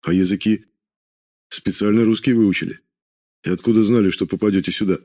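A man's voice: fairly low pitch, fairly even intonation, a little fast, warm tone, lightly acted. A man voicing an inquisitive foreign army major who questions his prisoner closely. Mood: curious. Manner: probing, questioning.

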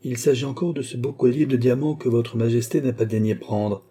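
A man with a husky, dark voice reading a grave, deferential male jeweller at court in an audiobook. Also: medium pitch, fairly quick, pitched above the performer's own voice, close to an everyday voice. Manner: formal, solemn.

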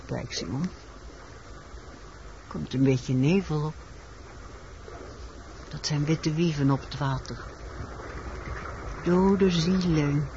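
An actress playing a weary, secretive woman in a radio drama, telling her story in a measured, matter-of-fact way. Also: low-pitched. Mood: subdued, confiding. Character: weary, secretive woman confessing a wartime killing. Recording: muffled, noisy old radio recording.

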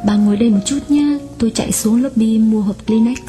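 A man's voice: sits high, quick pace, warm tone, faint music behind, pitched above the performer's own voice, close to an everyday voice. A man reading aloud voices a wife caring for her dying husband, polite and controlled. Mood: polite, restrained. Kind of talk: audiobook reading.

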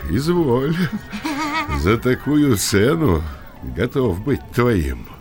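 A slow, deliberate village blacksmith. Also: male voice, medium pitch, very animated. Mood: feigned consent. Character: pious young village blacksmith, wary, bold and sturdy. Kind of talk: audio drama acting. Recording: music behind the voice.

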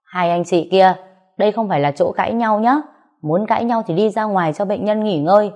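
A woman's voice: medium pitch, a little fast, mellow, natural voice. Woman playing a stern scolding doctor. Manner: scolding, bossy.

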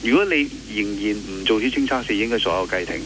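A man's voice: on the low side, fast, noisy background. A man with a Cantonese accent speaking firmly and insistently in a recorded clip. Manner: firm and insistent. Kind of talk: recorded clip played on radio.

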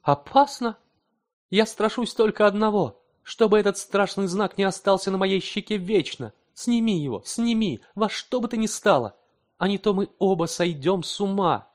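A man voicing a devoted young wife who speaks with calm, dignified pride. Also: sits high, normal speed, voice pushed up, natural voice. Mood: resolute.

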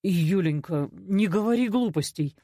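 A woman voicing a bewildered, mild, conciliatory father in an audiobook, soft and puzzled. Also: fairly low pitch, expressive, a little slow, breathy edge, dry recording, studio quality, heavily acted. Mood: placating. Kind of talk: audiobook character acting.

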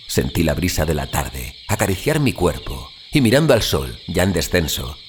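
A man playing a troubled wanderer who narrates a haunting dream in audio fiction, theatrical and suspenseful, with deliberate pauses. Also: sits low, a little hiss or hum. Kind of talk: dramatic first-person audio fiction narration. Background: music.

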